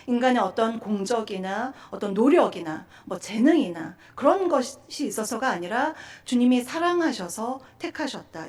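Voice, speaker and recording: Woman pastor preaching, fairly high voice, earnest, lots of little fillers. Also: a little mellow. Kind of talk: sermon at a Friday prayer meeting.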